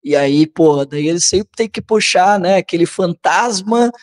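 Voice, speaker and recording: A Brazilian man hosting political commentary, reading aloud and commenting in a halting, conversational way that often seeks the listener's agreement. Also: high-pitched, expressive. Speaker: host of a political commentary channel.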